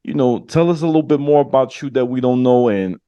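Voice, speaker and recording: A man hosting a podcast, chatting warmly and casually with his guest, restarting sentences and laughing. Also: mid-range voice, fairly quick, smooth, dry recording, lo-fi sound. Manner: friendly, hesitant restarts, laughs. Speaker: podcast host. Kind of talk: casual interview chat.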